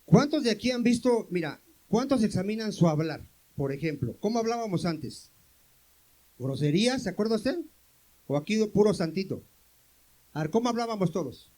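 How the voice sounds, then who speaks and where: A man's voice: sits high, lively intonation, moderate pace, a little mellow, rough recording. A man preaching a sermon as pastor, firing questions at the congregation, answering them himself and calling for amens.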